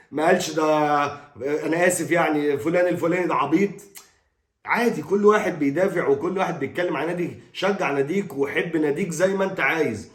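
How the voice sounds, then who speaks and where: A man's voice: fairly high pitch, reverberant. A middle-aged Egyptian man giving an exasperated, scolding football opinion monologue. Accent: Egyptian Arabic. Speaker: football commentator.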